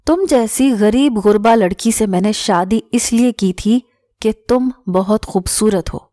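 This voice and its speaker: A controlling young husband speaks in a harsh, commanding way in this storybook reading, voiced by a woman. The tone is mellow and dark. The recording is dry and close. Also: mid-range voice, no room sound, natural voice. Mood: boastful.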